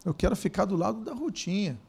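Male preacher, high-pitched, animated, quizzes the congregation, punches words with loud bursts. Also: fast talker, vocal fry, slightly rough. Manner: asks the congregation questions. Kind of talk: sermon.

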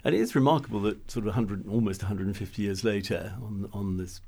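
A man's voice: fairly low pitch, fast talker, darkish tone. A man with an English accent interviewing an author in a conversational, somewhat hesitant way. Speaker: book editor interviewing an author.

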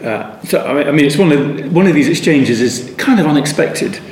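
A man's voice: fairly high pitch, lively intonation, moderate pace, darkish tone. Man teaching Bible study, echoey room. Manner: rambling, thoughtful, frequent restarts and asides. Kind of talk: unscripted Bible study talk. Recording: echoey room with faint ambient noise.

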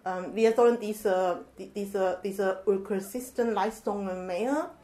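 A young woman from Taiwan speaks slowly and carefully as a podcast guest. She hesitates often, fills pauses with small sounds and searches for her words. Her pitch sits in an ordinary middle range. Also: mellow. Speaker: podcast guest, master's student. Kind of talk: casual podcast interview.

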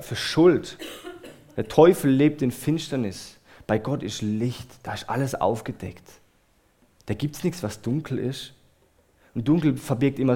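A male preacher giving a sermon in an earnest, emphatic way. His voice sits at an ordinary middle pitch for a man. He leans hard on key words, then lets many phrase endings drop away softly as he turns to address the congregation directly.

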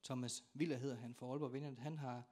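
A man preaching a sermon in a church, telling stories with dramatic acted-out voices and sudden shouts. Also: mid-range voice, steady tone. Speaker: pastor.

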